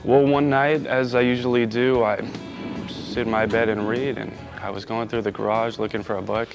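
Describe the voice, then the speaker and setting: A man's voice: medium pitch, little pitch movement, moderate pace, creaky, music in the background, rough recording. A young man being interviewed, giving a casual personal account in a conversational way.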